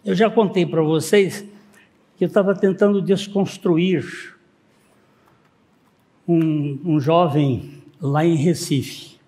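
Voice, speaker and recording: A man's voice: a little high, steady tone, takes it slowly, pauses often, dark tone. A man preaching a sermon in a church, mixing rhetorical questions with anecdotes told with dry humor. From Northeast Brazil. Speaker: pastor. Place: church sanctuary.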